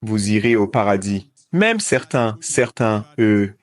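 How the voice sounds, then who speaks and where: A man's voice: fairly low pitch, animated, slow pace. A man asking a question from the audience of a public debate, polite but persistent, citing references.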